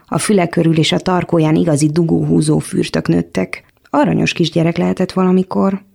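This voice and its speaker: Gravelly-voiced woman reading a novel. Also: lowish voice, flat delivery, warm tone. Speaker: reader. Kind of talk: literary reading, first-person narration.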